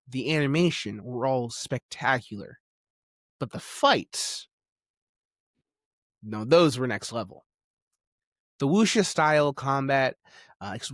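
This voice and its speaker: A man delivering an opinionated video essay, stressing key words emphatically and pausing for effect. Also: medium pitch, a bit bright, dry recording, clean studio sound.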